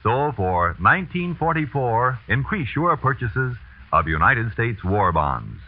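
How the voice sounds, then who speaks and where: A man's voice: medium pitch, sing-song, unhurried. A man reading a sponsor's commercial in a polished, persuasive 1940s radio announcer style. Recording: tinny 1940s radio broadcast.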